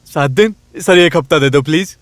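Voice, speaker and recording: A man voicing a cheeky petty thief in a dubbed film, flattering and pleading with the inspector. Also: fairly high pitch, moderate pace, no room sound, close to an everyday voice. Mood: fawning. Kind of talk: Hindi film dubbing. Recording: film soundtrack with music behind.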